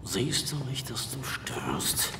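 An actor playing a cold, contemptuous gang boss with a drawn-out, hostile delivery in an audio drama. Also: male voice, mid-range voice, sing-song, whispered. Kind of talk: German audio drama acting. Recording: distant, echoey, clear background noise.

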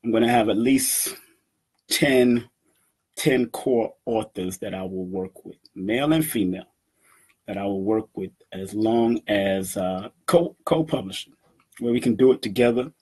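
Husky animated man in his fifties. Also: on the low side, a little slow. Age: 50s. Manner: animated, laughing, boastful, talks with his hands. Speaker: event organizer and numerology teacher. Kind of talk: casual talk to camera. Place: home room with bookshelves. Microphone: webcam at desk.

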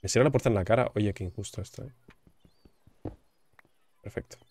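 A man's voice: on the low side, a little fast, a little mellow. A young man, chatting casually while playing a game and repeating words as he reacts. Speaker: gaming YouTuber. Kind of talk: casual gameplay commentary.

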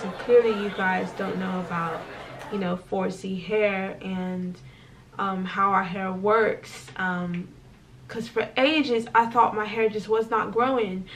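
A woman's voice: mid-range voice, far from the mic, a little hiss or hum. A young woman vlogging in casual chat, talking with many fillers and acted quotes, in a small indoor room. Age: young adult.

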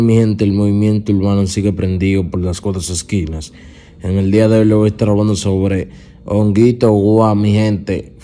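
A man with a Dominican accent hosting a YouTube channel, giving casual urban gossip news in colloquial street slang, halting and repeating himself. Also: on the low side, dark tone.

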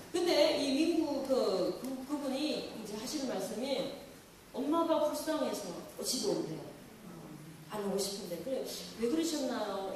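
Woman, nun lecturer, high animated voice, echoey hall, distant mic. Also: slight background noise. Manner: animated storyteller, acting out quoted lines. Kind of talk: storytelling lecture to an audience.

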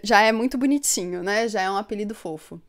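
A young woman chats with her viewers on a live stream, upbeat and talkative. Her voice is smooth and clear, sitting at an ordinary middle pitch. She speaks close to a desk microphone in a room at home. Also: fast. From São Paulo state, Brazil. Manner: chatty and upbeat, laughs often, reads viewer comments aloud. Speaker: book channel host. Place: home room with bookshelves, indoors. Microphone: desk microphone in front.

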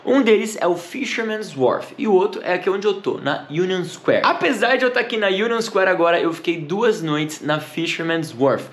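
A man's voice: sits high, normal speed, few pauses. A man in his thirties chatting casually as a travel vlogger, filming himself at arm's length while showing a hotel room and then walking along the waterfront. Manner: chatty and animated, pointing things out as he walks. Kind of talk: casual travel vlog to camera. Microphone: camera held at arm's length.

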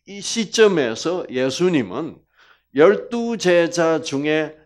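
Male lecturer, sermon delivery, lively pitch, slow deliberate pace, drops to whispers. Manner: swings from loud emphasis to hushed whispers, jokes and laughs; slow, drawn-out emphasis. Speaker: health lecturer.

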